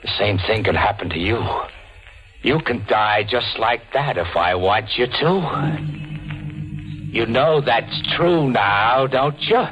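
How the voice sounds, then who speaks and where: An actor playing a menacing, distrustful small-time hood with tough, slangy talk in an old-time radio crime drama. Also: male voice, mid-range voice, slow, fairly bright tone. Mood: cold menace. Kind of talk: 1940s radio crime drama acting and narration. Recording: muffled old-time radio recording with music.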